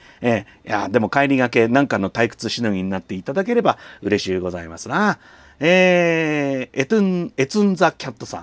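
A man's relaxed, medium-pitched voice at a moderate pace, with very wide pitch swings and big swings in loudness, in a dry, close sound with no echo and a very clean recording with a silent background. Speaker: rakugo storyteller hosting a solo talk stream. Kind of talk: casual solo chat. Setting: live audio stream from home. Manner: relaxed, chatty with fillers.

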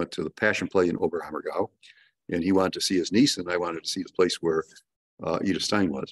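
The background is quiet. A man speaks with an American accent. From US. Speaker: priest teaching a Bible class. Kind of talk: lecture. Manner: halting, fillers. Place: home room. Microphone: webcam.

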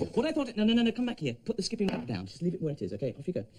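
Against noticeable background noise, a man speaks at a very fast pace with very wide pitch swings. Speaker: TV presenter. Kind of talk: comic children's TV monologue. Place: studio.

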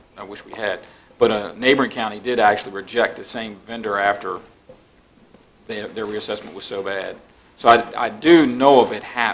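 A man's medium-pitched voice at a fairly quick pace, with fairly even intonation and long, frequent pauses. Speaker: county administrator. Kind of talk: public meeting. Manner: halting. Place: meeting room. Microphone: camera far.

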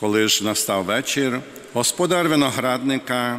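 His pace is fairly slow, and this man's pitch varies in an ordinary way. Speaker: priest. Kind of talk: liturgical Gospel reading. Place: church. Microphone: podium.

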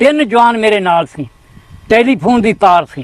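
A man with a high-pitched voice and lively intonation. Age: 80s+. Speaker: 1971 war veteran, village guide. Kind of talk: interview answer.

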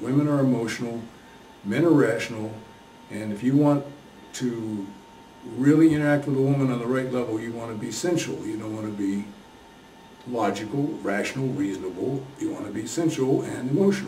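Speaking at a fairly quick pace with long, frequent pauses and ordinary pitch variation, a man is heard over light background noise with audible room echo. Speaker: dating coach. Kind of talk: interview answer. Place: home room.

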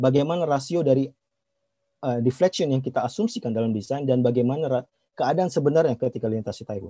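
A man's very fast speech, dark and mellow in tone, with ordinary pitch variation, a quiet background and a dry sound with no echo. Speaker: engineering researcher and lecturer; lecturer. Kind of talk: lecture. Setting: video call. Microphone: video call.

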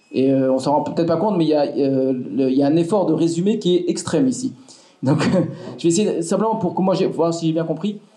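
At a fairly quick pace, a man speaks with a high pitch. Room echo can be heard. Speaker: rabbi. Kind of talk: lecture. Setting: stage with audience. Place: cafe.

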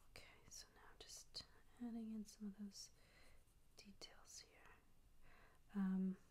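A woman whispers at a very slow pace in a gentle tone. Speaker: ASMR artist playing a police sketch artist. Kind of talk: ASMR roleplay, whispered and soft-spoken. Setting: roleplay of a sketch artist meeting a witness, with sketching sounds. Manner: soft-spoken, gentle and slow, with a hushed, intimate whisper; calm, reassuring, halting pace with many filler pauses. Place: home room. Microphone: webcam.

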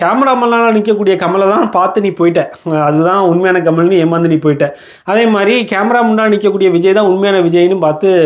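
A high-pitched man speaks with very even loudness and ordinary pitch variation. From Kanyakumari district, Tamil Nadu, India. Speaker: political YouTuber. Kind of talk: political commentary monologue. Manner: animated.

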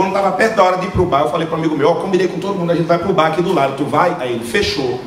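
Over light background noise and audible room echo, a man talks at a very fast pace with hardly any pauses, his high-pitched voice animated in tone with ordinary pitch variation. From northeastern Brazil. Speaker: stand-up comedian. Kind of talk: stand-up comedy. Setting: stage with audience. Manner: animated, rapid-fire delivery with comic timing; playfully boastful about speaking fast. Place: stage. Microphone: handheld.

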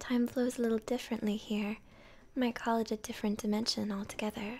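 A soft-spoken woman's dark, mellow, somewhat breathy voice, with monotone, flat intonation, very even loudness and a fairly quick pace over light background noise. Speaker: streamer. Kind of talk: reading game dialogue aloud. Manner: soft close-mic ASMR reading voice. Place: home room. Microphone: studio mic.

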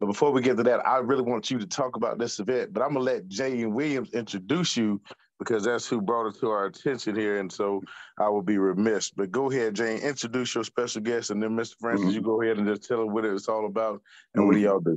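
Over a quiet background, a man speaks at a very fast pace with fairly even intonation. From US South. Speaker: city councilman. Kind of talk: community meeting. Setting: video call. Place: home room. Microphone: video call.

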